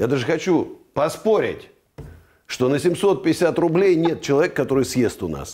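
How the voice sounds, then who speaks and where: A man with a fairly high pitch speaks in a dark, mellow tone with vocal fry. His pace is fairly slow, and his pitch varies in an ordinary way. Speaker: investor guest on show. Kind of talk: casual chat. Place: studio. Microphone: lapel.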